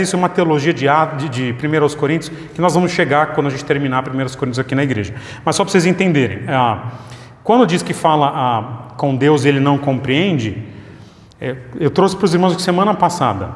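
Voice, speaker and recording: Man, pastor, Bible study teaching, conversational, fairly high voice, echoey church hall. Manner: explanatory, conversational, repeats questions for the audience.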